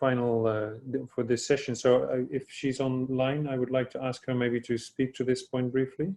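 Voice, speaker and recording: A man with a non-native accent speaks at medium pitch and a moderate pace, his tone dark and mellow. His intonation stays monotone and flat, with hardly any pauses. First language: not English. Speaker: session moderator. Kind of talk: online workshop discussion. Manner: halting, many fillers.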